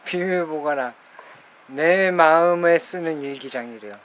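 A woman's voice: sits low, unhurried. A woman improvising a comic presentation of a toy as she leads a skit.

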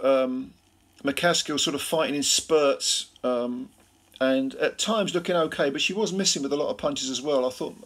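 A man's voice: medium pitch, vocal fry. A tired man from Britain giving a rambling, casual recap of a boxing fight late at night, full of fillers and restarts. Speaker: boxing commentator.

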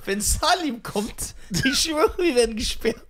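A man's voice: very high-pitched, lively intonation, a little slow, background noise. A man hosting a podcast in a small studio, teasing his guest in a mock-dramatic, casual way. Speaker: podcast host. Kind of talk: casual chat. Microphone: desk mic with headphones.

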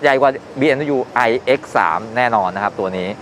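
A man's voice: lowish voice, moderate pace, fairly bright tone. A middle-aged man presenting a walkthrough at a car show, upbeat and informative, recorded on a lapel mic in a large indoor exhibition hall. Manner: upbeat and informative, with polite sentence endings. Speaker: motoring reporter. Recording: noisy exhibition hall ambience.

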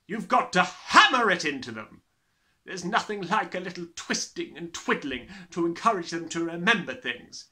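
A man voicing a harsh, sneering, bullying middle-aged headmistress in a children's storybook, with snapping, drawn-out emphasis. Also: high voice, sing-song, sharp tone, pitched above the performer's own voice, exaggerated voice. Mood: smug, instructive. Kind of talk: dramatised children's storybook reading.

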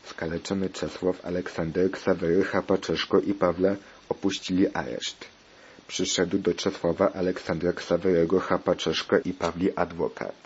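A man's voice: low voice, flat delivery, moderate pace. A man reading a homemade story aloud in a plain, repetitive way, on a dull lo-fi recording with faint hiss.

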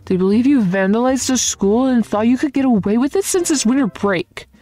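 A woman playing a sentimental middle-aged mother in a voiced animated roleplay drama. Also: on the high side, brisk, natural voice. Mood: dismayed. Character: sentimental middle-aged mother, sweet but easily dismayed. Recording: music behind the voice.

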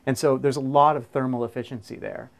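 Speaking quickly in a steady, mid-range voice, a man in his forties gives a casual tour of his small farm, inside and out. He's a farmer and craftsman from the United States, and he lays out his handmade off-grid setup step by step, earnest and practical.

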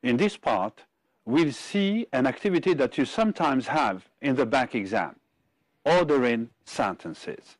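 A man English teacher introducing a lesson and reading words out slowly and distinctly. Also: mid-range voice, animated, no echo. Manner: measured, reads word lists distinctly. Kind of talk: slow clear classroom instruction.

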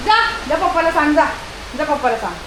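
A woman filming a casual vlog, talking to the camera and scolding and cooing at her pet dogs outdoors on a handheld phone. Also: moderate pace. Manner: scolds and coos at dogs in a high, lively voice. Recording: loud dog barking and outdoor noise.

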